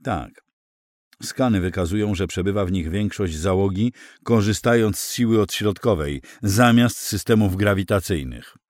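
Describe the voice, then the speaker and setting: Male narrator doing a gloomy admiral, low, heavy and matter-of-fact, dry close sound. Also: normal speed, darkish tone, no echo, close to an everyday voice. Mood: grim, explaining.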